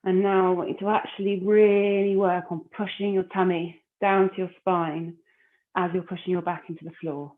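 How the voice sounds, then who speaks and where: A woman leading a core exercise class, giving calm, encouraging cues and breath counts. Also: lowish voice, moderate pace. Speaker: fitness instructor. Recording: phone-like narrow audio.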